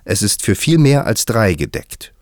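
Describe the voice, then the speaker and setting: A man's voice: lowish voice, very animated, measured pace, dry recording, studio quality, pitched above the performer's own voice. A man voicing a prim young girl who speaks in an indignant, proper way. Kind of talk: audiobook character voice.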